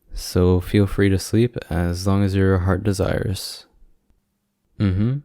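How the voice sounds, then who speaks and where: Casting: male actor as doting young boyfriend for ASMR roleplay, low smooth voice, gently teasing. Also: no room sound, studio quality. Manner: teasing, sweet, gently joking. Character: affectionate, playful young boyfriend visiting hospitalised partner.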